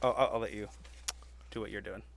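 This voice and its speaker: A man's voice: on the low side, fairly even intonation, brisk, vocal fry. A man playing in a tabletop roleplaying podcast, chatting informally with an amused manner. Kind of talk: casual game chat, reading rules aloud.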